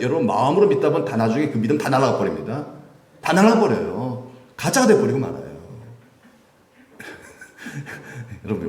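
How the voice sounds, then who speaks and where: A man's voice: medium pitch, mellow. A man preaching a Sunday sermon as pastor, with many rhetorical questions to the congregation. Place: church sanctuary. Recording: roomy church echo, mic at a distance.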